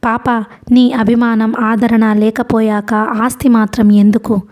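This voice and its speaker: A woman's voice: on the high side, little pitch movement, unhurried, darkish tone, natural voice. A woman reading the part of a defiant young daughter who speaks earnestly and pleadingly to her father, in an audiobook.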